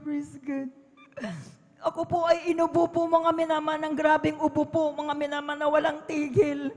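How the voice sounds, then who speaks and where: A woman's voice: high voice, monotone, normal speed, darkish tone. A middle-aged woman giving a personal testimony at a prayer service, earnest and polite, calling the congregation beloved every few words. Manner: polite and deferential, adds respect particles throughout. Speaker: church member giving testimony. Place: church hall during overnight prayer. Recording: reverberant church hall.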